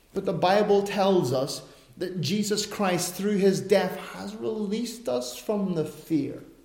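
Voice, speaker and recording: Against noticeable background noise, a man with a high-pitched voice speaks at a very slow pace with ordinary pitch variation. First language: not English. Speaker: pastor. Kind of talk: sermon. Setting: church.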